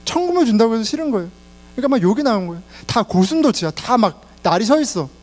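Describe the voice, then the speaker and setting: A man's voice: sits high, very animated, fast, darkish tone. A middle-aged man preaching a sermon in Korean, telling personal stories and laughing along the way. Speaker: pastor.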